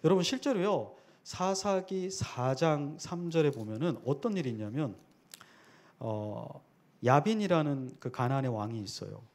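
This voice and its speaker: A man's voice: fairly high pitch, animated, unhurried, a little mellow. A man preaching a sermon as a guest preacher at a church worship service, speaking earnestly and conversationally and asking the congregation rhetorical questions.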